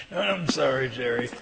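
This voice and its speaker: A man's voice: creaky, exaggerated voice. A man playing a friendly, earnest science professor in an amateur radio drama, speaking in a genial, folksy, explanatory way. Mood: amused, genial. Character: friendly, earnest male science professor running Bigfoot lab. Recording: very noisy track, loud ambient rumble.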